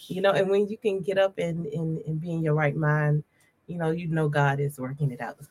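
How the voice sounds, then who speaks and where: At a fairly quick pace, a woman talks in a very deep, low voice with ordinary pitch variation. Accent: Southern US. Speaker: podcast co-host. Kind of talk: casual chat.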